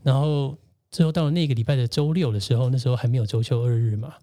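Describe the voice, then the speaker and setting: A man, a podcast guest and co-host gently telling a personal story in casual conversation. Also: medium pitch, fairly even intonation, fast talker. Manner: reflective, gentle, recounts childhood memories.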